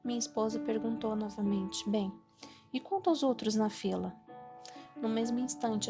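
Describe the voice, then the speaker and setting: A woman's voice: on the high side, gravelly. Brazilian woman reading a devotional audiobook over music. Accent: Brazilian Portuguese. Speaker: audiobook narrator.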